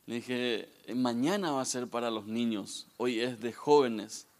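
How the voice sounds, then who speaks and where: A man in his thirties, a guest pastor, giving a lively, joking youth sermon straight to the audience. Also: medium pitch, measured pace. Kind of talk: youth sermon with humorous stories.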